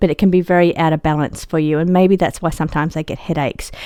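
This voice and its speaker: A woman's dark, mellow tone with fairly even intonation. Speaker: tarot and oracle card reader. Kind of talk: casual vlog talk to camera. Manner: fast; jumbled, rushed.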